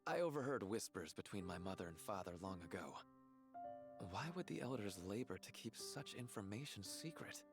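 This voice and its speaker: An actor playing an earnest, courtly fantasy game villager who speaks in formal, archaic and eloquent phrases. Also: male voice, fairly low pitch, big pitch swings, normal speed. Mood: earnest, probing. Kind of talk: scripted fantasy game voice acting. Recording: loud game music behind the voice.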